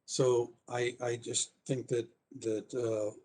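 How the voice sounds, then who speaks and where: A man making an unscripted argument at a public meeting, halting as he thinks aloud. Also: mid-range voice, flat delivery, mellow. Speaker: town meeting member.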